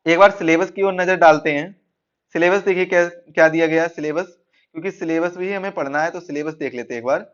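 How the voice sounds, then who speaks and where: High-voiced male instructor, muffled audio. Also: quick pace. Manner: repeats and rephrases points. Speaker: exam-prep instructor. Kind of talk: explanatory online lecture. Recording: dull, lo-fi band-limited audio.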